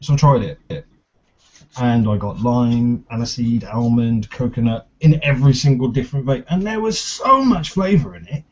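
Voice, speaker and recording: Husky man in casual chat. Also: medium pitch, moderate pace. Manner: chatty, banters and does impressions. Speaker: co-host. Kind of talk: casual chat reviewing vape juice. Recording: muffled lo-fi recording.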